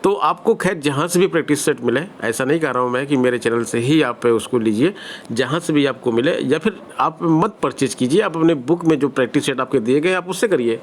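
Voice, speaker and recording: A man's voice: medium pitch, brisk, a little hiss or hum. A man with a Hindi accent giving exam-preparation advice to students in a direct, conversational teaching style with everyday examples. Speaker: online exam-prep teacher.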